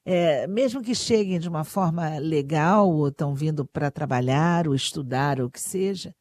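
A woman's voice: low voice, moderate pace, darkish tone, no room sound. A woman hosting an interview, introducing her guest and asking questions in an admiring way.

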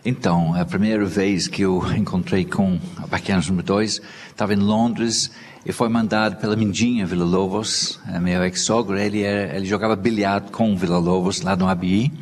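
A British cellist with an English accent, speaking non-native Portuguese haltingly, with many restarts as he searches for words. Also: sits low, steady tone. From Britain. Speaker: cellist and festival organizer. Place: theater stage. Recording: reverberant hall with light noise.

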